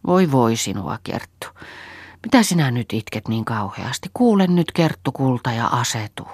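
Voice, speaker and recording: An anxious farmwife , voiced by a woman reader, coaxes and soothes in a hushed, half-whispered voice. The reading is close and dry, with no room sound. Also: a bass voice, big pitch swings, husky, no room sound, heavily acted. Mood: coaxing worry. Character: anxious farmhouse woman, coaxing and fussing.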